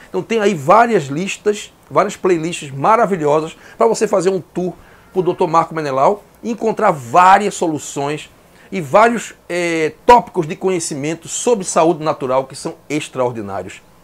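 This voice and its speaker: A man's high-pitched voice at a moderate pace, with lively intonation and big swings in loudness. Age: 50s. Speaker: health YouTuber; health channel host. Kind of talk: direct-to-camera vlog monologue. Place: home room.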